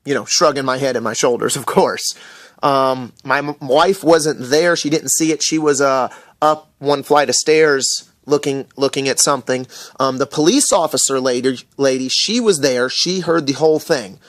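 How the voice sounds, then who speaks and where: A man's voice: medium pitch, normal speed, dry recording, clean studio sound. An American man casually recounting an incident to camera in a rambling, indignant rant full of fillers. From USA.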